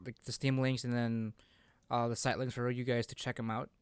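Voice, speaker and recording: A man with a smooth, clear, medium-pitched voice, co-hosting a casual video game chat. The sound is dry, with very little room on it. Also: little pitch movement, moderate pace, dry recording. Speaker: podcast co-host.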